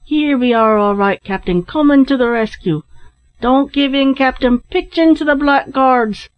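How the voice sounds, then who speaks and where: Woman playing an excitable, high-pitched adventurer man. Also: drawn-out words, no room sound, muffled recording. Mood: excited, urgent. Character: excitable, bold Irish adventurer man, loyal and hot-headed.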